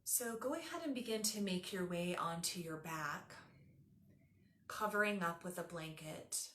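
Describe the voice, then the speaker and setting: A woman with a fairly low voice leads a guided relaxation as a yoga teacher. Her delivery is soothing and unhurried, giving gentle step-by-step instructions. The recording has a clearly roomy echo around her voice. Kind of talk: guided meditation.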